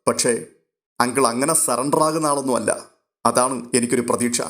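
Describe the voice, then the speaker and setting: A man reading a calm young fiancé. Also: mid-range voice, brisk, lightly acted.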